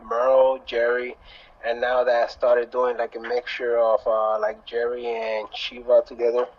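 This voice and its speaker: A young man from New Jersey joins by phone, easygoing and quick to laugh, his voice at a middling pitch. The call audio is dull and muffled, with the phone pressed close to his mouth. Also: monotone. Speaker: guest. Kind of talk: casual chat. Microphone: phone held close.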